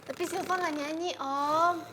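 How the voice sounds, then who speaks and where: A woman's voice: extremely high pitch, steady tone, unhurried, a little hiss or hum, full character voice. A woman acting in a sitcom, whiny and insistent. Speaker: comic actress in a sitcom. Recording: studio sitcom with loud music.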